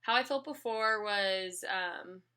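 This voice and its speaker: A woman's voice: medium pitch, slow pace, sharp tone, clean tone. A young woman talking casually and informally, reflecting aloud as a student teacher. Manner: chatty, informal.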